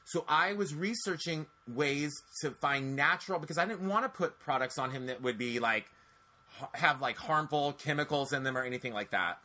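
A man in his forties hosting a podcast, telling stories in a chatty, animated way with lots of restarts. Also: on the high side, normal speed. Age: 40s. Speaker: podcast host. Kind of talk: casual podcast chat.

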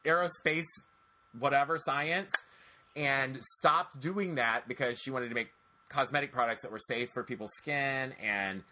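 A man in his forties hosting a podcast, telling stories in a chatty, animated way with lots of restarts. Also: mid-range voice, a little slow, background noise. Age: 40s. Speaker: podcast host. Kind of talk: casual podcast chat.

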